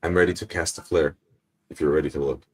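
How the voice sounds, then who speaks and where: A man's voice: extremely low pitch, fairly even intonation, quick pace, slightly rough. A man speaking as a player in a tabletop roleplay game, in character and describing actions.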